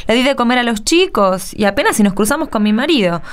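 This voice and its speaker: A woman's voice: fairly high pitch, fast talker, close to an everyday voice. An actress with an Argentine accent playing a flustered but peacemaking mother in a radio drama, speaking expressively. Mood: apologetic. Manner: expressive, exclamatory.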